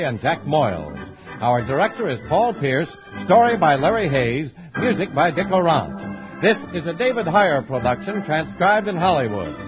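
An American man in a polished, promotional old-time radio announcer delivery, reading a script. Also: sits high. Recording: dull old radio recording, faint music.

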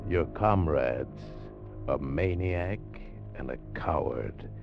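A man narrating a dramatic radio trailer in an ominous, slow way. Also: very deep voice, lively intonation, creaky, full character voice. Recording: dull old radio broadcast with loud music.

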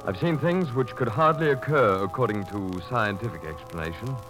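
A man's voice: lowish voice, lively intonation, music in the background, close to an everyday voice, low-quality recording. A man playing a stern, rational but troubled doctor, with formal 1940s radio diction on a vintage recording. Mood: grave, bewildered. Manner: formal, grave, measured diction. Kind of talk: 1940s radio drama acting and narration.

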